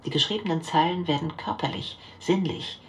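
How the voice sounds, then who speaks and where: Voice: mid-range voice, moderate pace, a little hiss or hum, lightly acted. A performer playing a detached academic lecturer, giving formal, analytical essay narration within a radio drama.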